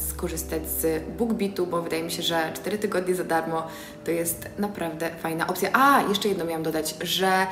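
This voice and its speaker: A young woman with a fairly low voice talks to her phone camera from a bright living room, chatty and eager, filling pauses with little hesitation sounds. Her voice rings in the bare room, and music plays clearly underneath. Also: steady tone. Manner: chatty and enthusiastic, with many filler sounds. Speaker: vlogger. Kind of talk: casual vlog chat to camera. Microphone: phone camera on a tripod nearby. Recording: roomy echo with music behind.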